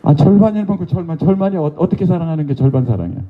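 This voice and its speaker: An older man, a pastor, preaching a lively revival sermon and teasingly quizzing members of his congregation. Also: a little high, racing, phone-quality sound. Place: church sanctuary.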